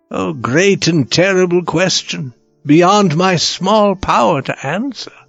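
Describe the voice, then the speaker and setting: Over music in the background, someone with an American accent speaks at a very slow pace with lively intonation. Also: man. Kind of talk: read story for English learners.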